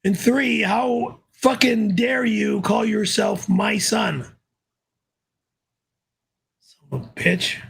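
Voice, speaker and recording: A man's voice: high voice, drawn-out words, creaky, pauses often, a bit bright, slightly rough. A man hosting a live stream, cranky and indignant, swearing often. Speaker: livestream host. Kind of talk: profane live-stream banter.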